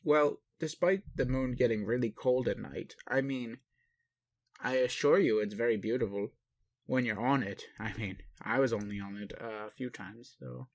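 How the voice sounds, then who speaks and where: A man playing a gentle, doting blue-skinned alien caretaker in a roleplay audio, rambling playfully and speaking tenderly to the listener. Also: mid-range voice, moderate pace, vocal fry, natural voice. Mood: playful, casual. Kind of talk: soft roleplay monologue to a listener.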